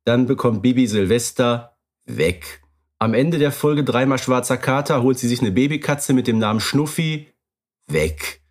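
A man co-hosting a podcast, chatting casually and wryly about radio plays, with lively storytelling and some fillers. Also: medium pitch, a little slow. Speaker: podcast co-host.

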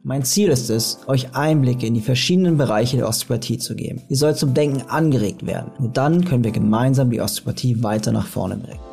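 A young adult man hosting a podcast, reading the intro and asking interview questions in a calm, measured way. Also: mid-range voice, vocal fry, faint music behind. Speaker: podcast host and osteopath.

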